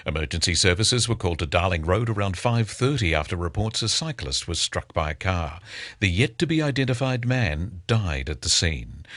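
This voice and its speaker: A man's voice: low-pitched, a bit bright, dry recording, clean studio sound. An Australian man reading a scripted radio news bulletin as the presenter. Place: close, dry radio studio.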